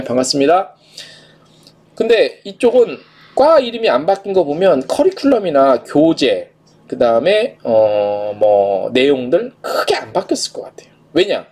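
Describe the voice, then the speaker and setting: A man's voice: fairly high pitch, a little mellow, husky. A man, hosting a live stream as a journalist, giving opinions casually, answering viewer comments and posing questions to himself. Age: 40s. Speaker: live-stream host, travel industry journalist.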